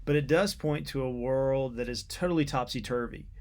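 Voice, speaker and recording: A man giving an unscripted academic literature lecture in a halting, deliberate way, repeating words as he explains. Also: medium pitch.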